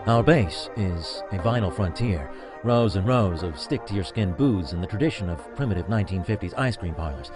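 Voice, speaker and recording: A man's voice: low voice, lively intonation, moderate pace, over music. A man playing a pompous, heroic starship-captain parody, narrating grandiose log entries in a comedy audio drama. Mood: pompous, dramatic. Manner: grandiose log-entry delivery.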